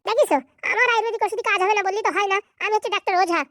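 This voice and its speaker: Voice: very high-pitched, steady tone, racing, sharp tone, no room sound. A performer voicing a smug cartoon quack doctor. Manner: smug, reassuring patter. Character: boastful quack village doctor, male, smooth-talking. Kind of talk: cartoon comedy dubbing.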